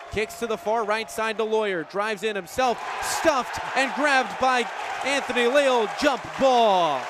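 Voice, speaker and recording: A young American man calling live sports as a radio play-by-play broadcaster. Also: sits high. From United States. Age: young adult. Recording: live game broadcast, crowd noise behind. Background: crowd and game noise.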